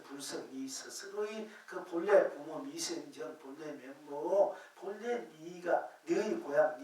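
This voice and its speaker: Zen master guy preaching, kinda high voice, super echoey hall, mic way off. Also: recorded from a distance. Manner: slow, repetitive explaining that addresses the congregation. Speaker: Zen master giving a dharma talk. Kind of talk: Buddhist sermon.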